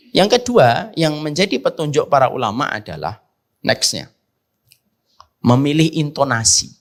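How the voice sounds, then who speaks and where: A man preaching a sermon in an animated way, asking rhetorical questions and swinging between loud emphasis and soft asides. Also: medium pitch, creaky. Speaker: Islamic preacher.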